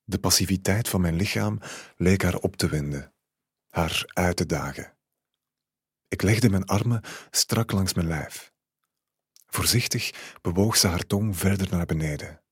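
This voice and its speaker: A man calmly narrating a literary short story in the first person. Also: deep voice, a little slow, breathy edge, no room sound, clean studio sound.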